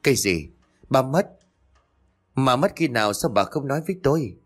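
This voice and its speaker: A man voicing a harsh, domineering husband who barks rude demands in a fast, raised voice. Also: medium pitch, expressive, soft background music, voice pushed up, lightly acted. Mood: irritable.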